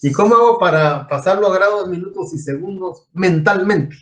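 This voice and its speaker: In a high voice at a moderate pace, a Guatemalan man teaches engineering online, explaining step by step. He regularly asks his students questions along the way.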